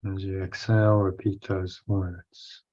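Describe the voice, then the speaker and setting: A man leading a guided breathing meditation as a teacher, giving instructions in short phrases with pauses and reading out affirmations. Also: sits low, flat delivery, dark tone. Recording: dull, lo-fi sound.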